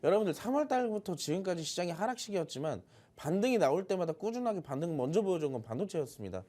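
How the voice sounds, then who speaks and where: A man's voice: high voice, very animated, fast talker, mellow. A man with a sore throat giving explanatory stock commentary as an expert, step by step to viewers.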